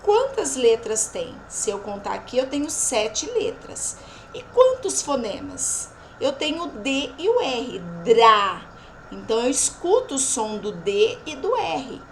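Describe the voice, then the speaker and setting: A Brazilian Portuguese woman teaches at an unhurried pace, stretching out each example word. Her voice sits high and moves a lot, and a faint hiss of noise sits under it. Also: sing-song, a little mellow, poor audio. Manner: slow, drawn-out pronunciation of example words; frequent checking tags after each point. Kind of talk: recorded remote lesson.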